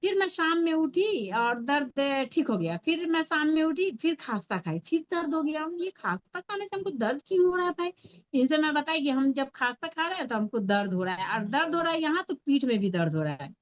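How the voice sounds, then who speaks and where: A woman's voice: sits high, big pitch swings, fairly quick, hardly any pauses. A middle-aged woman tells her personal story in a conversational way, acting out the voices of people she quotes. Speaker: guest sharing her story. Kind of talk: personal testimony.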